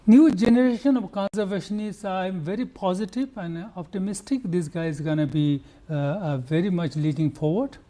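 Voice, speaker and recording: Answering interview questions, the older Nepali conservationist sounds sincere yet halting, full of fillers and restarts. His accented voice sits high and has a mellow quality.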